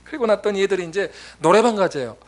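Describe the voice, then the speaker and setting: A man preaching a sermon as a missionary, telling stories in a lively way and acting out his friends' voices. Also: sits high, fast. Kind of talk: sermon with storytelling. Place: church sanctuary.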